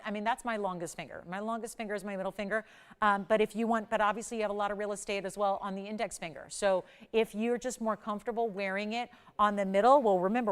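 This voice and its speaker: A woman in her forties hosting a live TV jewelry shopping show, delivering an enthusiastic, emphatic sales pitch that keeps circling back to the same selling points. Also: clean tone. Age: 40s.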